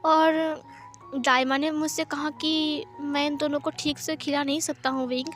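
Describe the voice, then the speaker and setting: A woman's voice: sits high, level tone, measured pace, a bit bright, soft background music. A woman voicing a shy, flustered young man caring for newborns, speaking hesitantly with stammers and a sulky edge. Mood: gentle.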